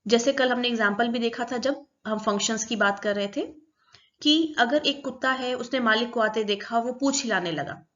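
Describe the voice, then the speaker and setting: A woman's voice: on the high side, moderate pace, fairly bright tone, highs cut off. A woman teaching a recorded psychology lecture, explaining step by step and repeating key terms.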